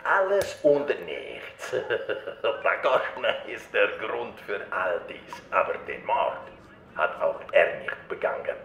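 A menacing Russian-accented watchman from an audio play, teasing and mocking as he goes. He drawls slowly with wide swings in pitch, playfully sinister, in a roomy sound with music behind. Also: big pitch swings, fairly bright tone, highs cut off, heavily acted. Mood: taunting, cryptic. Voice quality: gravelly, low. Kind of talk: audio drama acting.

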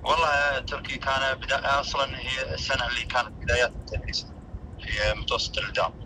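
A man, a former teacher on a phone call, speaking slowly and measured with many hesitations. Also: mid-range voice, little pitch movement, noisy background. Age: 50s.

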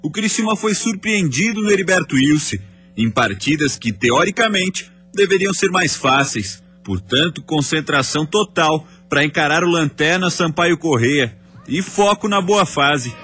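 Dude reading sports news, kinda high, faint music in the back. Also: male voice, a bit bright. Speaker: sports reporter. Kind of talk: scripted news narration.

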